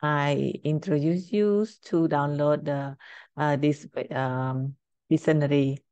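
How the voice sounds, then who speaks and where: A middle-aged woman with a Cambodian accent, a native Khmer speaker, teaching informally in halting, simple English. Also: sits low, fairly even intonation, mellow, clean tone, no room sound, highs cut off. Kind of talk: informal screen-share language lesson.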